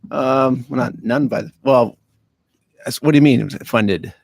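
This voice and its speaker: A man answering questions on a radio show as a guest, speaking haltingly with many fillers and restarts. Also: mid-range voice, creaky, darkish tone, dry recording. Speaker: county veterans affairs officer, studio guest. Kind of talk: casual radio interview. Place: radio studio. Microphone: studio microphone.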